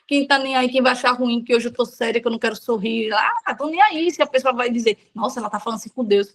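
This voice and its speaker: High-voiced woman preaching frankly. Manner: frank, conversational preaching with slang. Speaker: devotional speaker. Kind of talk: informal devotional talk.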